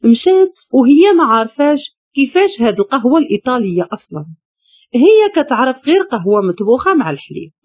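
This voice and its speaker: Expressive Moroccan woman narrating a story. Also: high voice, fast, breathy edge, no room sound. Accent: Moroccan Arabic.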